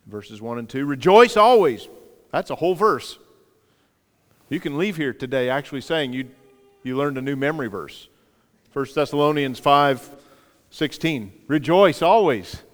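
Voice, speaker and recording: A man preaching in a church hall, his smooth, resonant voice trailing a long reverb. He leads the congregation in call-and-response with a lively delivery and playful asides. His voice sits a touch higher than most men's. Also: a little slow, pauses often. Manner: playful asides and light humor. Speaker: pastor. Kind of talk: sermon. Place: church sanctuary.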